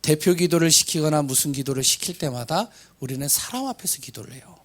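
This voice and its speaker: Preaching a sermon in a hoarse, slightly high voice, a man speaks animatedly and a little fast. He asks rhetorical questions, swings between loud cries and hushed asides, and stumbles over words now and then.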